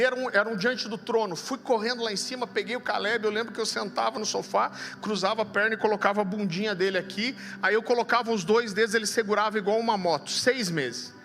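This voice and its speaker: A man in his thirties with a Brazilian Portuguese accent, a pastor preaching a sermon with humorous stories and quiet intense moments. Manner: humorous storytelling, shifts to low quiet intensity. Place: large church hall. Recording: long hall reverb, faint music.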